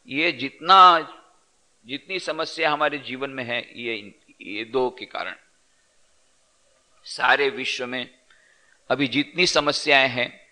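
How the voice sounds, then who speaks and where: Male preacher, storytelling sermon, bright tone, repeats key phrases. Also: on the high side. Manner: repetitive, storytelling teacher. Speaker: monk giving a discourse. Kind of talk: scripture discourse sermon.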